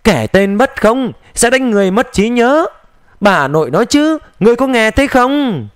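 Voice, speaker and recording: A man voicing a huge, impatient male dragon in an audiobook, calling out in slow, drawn-out shouts. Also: very high voice, expressive, clean tone, dry recording, studio quality. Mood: urgent.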